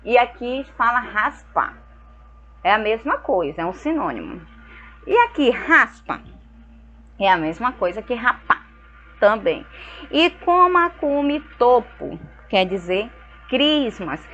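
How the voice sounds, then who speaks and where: A woman's voice: fairly high pitch, big pitch swings, a bit bright, dull audio. Patient Brazilian woman teacher. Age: young adult. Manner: slow, patient explaining with frequent checks like "ok?". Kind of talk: recorded school lesson.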